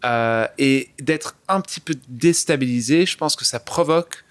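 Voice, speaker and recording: Casting note: man, thirties, soft English lilt in his French, halting and reflective, dry close sound. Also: medium pitch, no room sound. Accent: light English-tinged French. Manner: hesitant, many restarts and fillers. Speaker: guest singer-songwriter. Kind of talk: casual interview talk.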